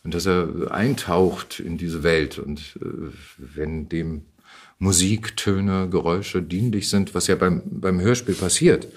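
Husky, low-voiced middle-aged man. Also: steady tone, slow pace. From Germany. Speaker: interview guest, actor and voice actor. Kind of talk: casual reminiscing conversation.

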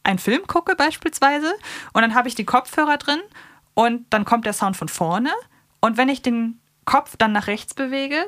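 A woman's voice: on the high side, normal speed, fairly bright tone, no echo. A woman co-hosting a podcast, explaining things in a casual conversational style close to the microphone. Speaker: podcast co-host.

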